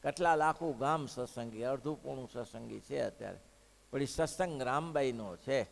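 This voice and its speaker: A man preaching a devotional sermon, telling a story in an animated way and putting questions to the listeners. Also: medium pitch, normal speed, vocal fry. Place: hall of a religious school. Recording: echoey hall.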